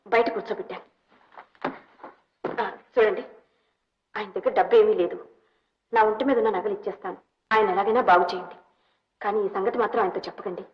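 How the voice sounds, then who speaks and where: An actress playing a kind young woman who helps a sick stranger, speaking gently in an old film melodrama. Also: medium pitch, fairly even intonation, fairly quick, pauses often, close to an everyday voice. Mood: gentle concern. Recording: dull old film soundtrack.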